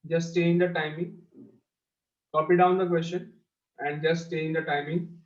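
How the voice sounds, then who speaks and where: A man with a South Asian accent teaches maths in a high-pitched voice. He goes step by step and repeats phrases for his pupils. The sound is echoey and dull. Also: flat delivery, a little slow. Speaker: mathematics teacher. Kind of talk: online maths lesson, explaining step by step. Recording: dull, echoey lo-fi class audio.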